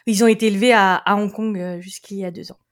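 A woman's voice: mid-range voice, steady tone, quick pace. A woman from France, a lawyer, chatting as a guest in an interview, laughing often and restarting her sentences. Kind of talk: casual interview chat.

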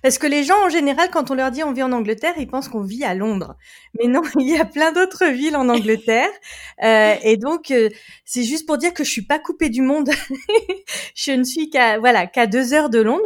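A woman's voice: high-pitched, moderate pace. A woman from France, a lawyer, chatting as a guest in an interview, laughing often and restarting her sentences. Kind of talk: casual interview chat.

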